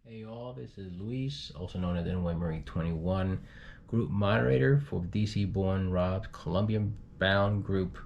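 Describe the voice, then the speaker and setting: A man reading travel news in an unpolished, halting way, stumbling over and repeating words. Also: deep voice, vocal fry, darkish tone, highs cut off, a little hiss or hum. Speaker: guest news reader, group moderator.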